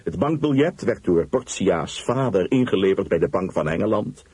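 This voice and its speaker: A man reading a story aloud in the first person, with expressive narration. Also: low-pitched, moderate pace, husky, no echo. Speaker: storyteller, reader. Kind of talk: audiobook reading.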